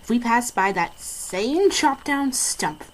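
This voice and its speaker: Woman acting as wary young female wanderer, amateur audio drama, high swooping voice, noisy recording. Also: expressive, takes it slowly. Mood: doubtful, grumbling.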